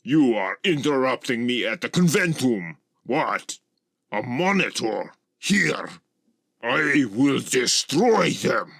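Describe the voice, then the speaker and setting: A man's voice: medium pitch, big pitch swings, takes it slowly, gravelly, fairly bright tone, dry recording, voice pushed up, exaggerated voice. A man voicing a hot-tempered, rude green dragon in irate exclamations. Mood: outraged.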